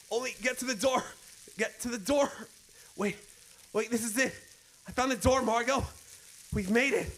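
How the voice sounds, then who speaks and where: A man playing an earnest, protective gentleman hero in an old-time radio drama style. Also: very high voice, unhurried, slight background noise, exaggerated voice. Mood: urgent.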